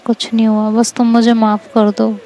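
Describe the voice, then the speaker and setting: A woman voicing a young woman pleading softly. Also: on the high side, completely flat delivery, normal speed, faint music behind, close to an everyday voice, rough recording. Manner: pleading, apologetic, coaxing. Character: young woman pleading with her angry girlfriend. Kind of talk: storyteller voicing a character.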